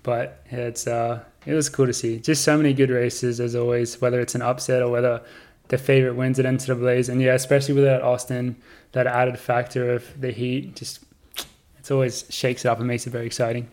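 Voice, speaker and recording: Young NZ male co-host, laid-back rambling chat, flat intonation. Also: mid-range voice, a little fast. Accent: New Zealand. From New Zealand. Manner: relaxed, rambling, laughs often. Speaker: podcast co-host. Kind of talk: casual chat.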